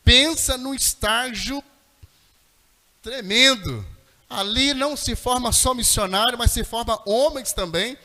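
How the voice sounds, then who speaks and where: A middle-aged man preaches a fervent testimony in a very high, bright voice. He speaks straight to the congregation, and his words ring through a long, echoey church hall. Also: a little slow. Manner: fervent storytelling, addresses the congregation directly. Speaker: missionary preacher. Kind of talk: sermon testimony.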